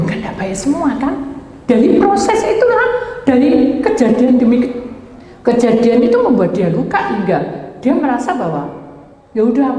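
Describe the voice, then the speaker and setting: A woman pastor preaching lively, acting out the voices in her story. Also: on the high side. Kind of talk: sermon with storytelling. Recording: echoey hall, faint background noise.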